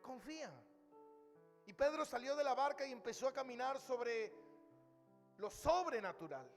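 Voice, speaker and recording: A man's voice: very high-pitched, expressive, moderate pace, long reverb tail, faint music behind. A male pastor preaching a sermon, emphatic, calling his listeners brother. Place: church hall.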